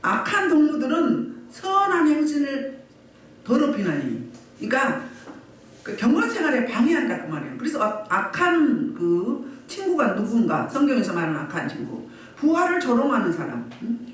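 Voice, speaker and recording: A woman's voice: high voice, wildly swooping pitch, moderate pace. A woman pastor preaching a Sunday sermon and pressing the congregation with repeated rhetorical questions. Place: church sanctuary. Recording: echoey room from far off.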